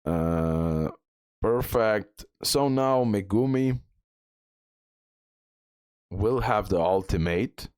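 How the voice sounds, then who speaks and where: A man's voice: lowish voice, very slow, pauses often, a little mellow, smooth, dry recording, studio quality. A man giving a casual gameplay walkthrough as a guide host, thinking aloud as he goes. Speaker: gaming guide creator, host.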